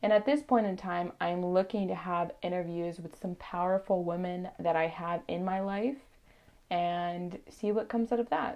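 A woman's ordinary speaking voice at medium pitch, moderate pace and ordinary pitch variation. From Houston, Texas. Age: 20s. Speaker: podcast host, college student. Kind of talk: solo monologue podcast. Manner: casual, conversational.

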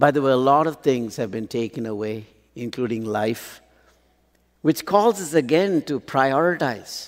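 A man's medium-pitched voice at a fairly slow pace, with lively intonation. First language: not English. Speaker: Bible teacher. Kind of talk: sermon. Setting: church.

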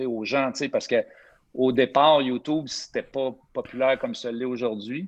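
Against a quiet background, a man with a Quebec accent speaks at a fairly slow pace in a fairly high pitch. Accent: Québécois French. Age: 50s. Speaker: TV host and photographer. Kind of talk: casual chat.

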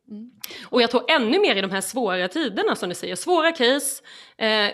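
Very wide pitch swings run through delivery that comes at a fairly quick pace. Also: woman, very clean recording, silent background. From Sweden, Halland (Laholm). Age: 30s. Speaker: sales manager. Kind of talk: podcast interview. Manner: animated.

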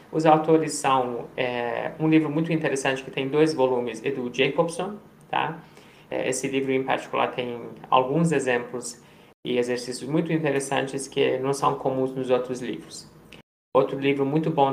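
A man with a Persian accent talks at a moderate pace with medium pitch. His intonation is fairly even, and audible room echo can be heard. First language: Persian (speaking Portuguese). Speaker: mathematics professor. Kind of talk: interview. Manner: hesitant, frequent fillers.

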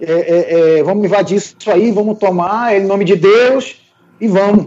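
High male speech with fairly even intonation. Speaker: RPG player, debate guest. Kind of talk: casual debate.

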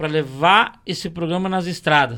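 Bright and sharp in tone, a man with a fairly high pitch keeps his intonation fairly even in a very clean recording with a silent background. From western Santa Catarina, Brazil (Concórdia). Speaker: comedian and former truck driver. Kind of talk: casual interview chat.

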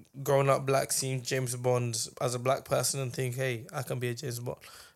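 A man speaks in an animated tone. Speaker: podcast host. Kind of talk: casual banter podcast. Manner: animated, joking.

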